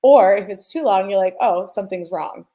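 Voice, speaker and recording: A sound designer talks through her mixing advice in a mellow, mid-range voice at a normal speed. Her tone is informal and conversational; she thinks aloud as she explains her work and leans on the key points.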